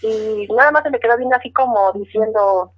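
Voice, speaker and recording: Woman telling her story, kinda high voice, repeats herself a lot, dull muffled audio. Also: a little fast. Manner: earnest, repeats words and restarts while recalling. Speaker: interviewee. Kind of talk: personal storytelling.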